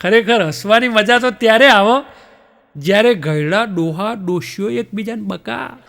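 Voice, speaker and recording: A man doing stand-up, telling jokes and acting out the characters' lines in a lively way. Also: sits high, a little slow, gravelly. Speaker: stand-up comedian. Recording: long hall reverb.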